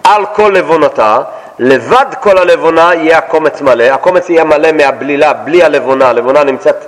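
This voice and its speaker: Higher-voiced man teaching, echoing room. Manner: quotes a verse, then explains it in plain everyday words; asks and answers his own questions. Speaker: Torah teacher. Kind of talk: text study lesson.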